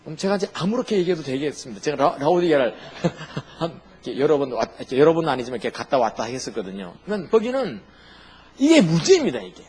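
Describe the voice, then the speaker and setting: A man's voice: on the high side, sing-song, quick pace, darkish tone, husky. A man preaching a sermon as a pastor, asking the congregation questions and answering them himself.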